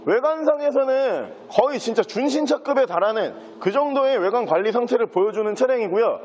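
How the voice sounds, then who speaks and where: A man with a fairly high, mellow voice presents a car as a used-car dealer. His delivery is smooth, practised salesman patter in an unscripted walkthrough. The sound is somewhat dull and lo-fi. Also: animated, fairly quick, slight background noise.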